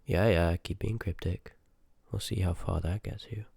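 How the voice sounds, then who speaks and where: A very low-voiced, gravelly sorcerer, acted by a man, talks straight to the listener in a fantasy audio roleplay. He is rude and curious, full of sarcastic banter and muttered asides. The sound is close and very dry, with no room around it. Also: fairly even intonation, normal speed, a little mellow, no echo, exaggerated voice. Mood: suspicious, sardonic. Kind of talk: ASMR audio roleplay acting, addressed to the listener.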